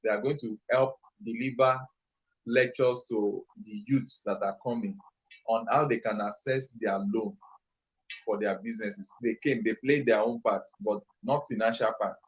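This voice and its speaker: A man's voice: on the low side, fairly even intonation, moderate pace, lo-fi sound. A man with a Nigerian accent, an entrepreneur answering an interview question on a live stream, talking in a passionate, emphatic, rambling way. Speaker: entrepreneur and youth trainer, guest.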